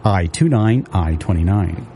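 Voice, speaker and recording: Low-voiced man calling bingo. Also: slight background noise. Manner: steady, repeating each number slowly. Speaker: radio bingo caller. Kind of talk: calling bingo numbers on local radio.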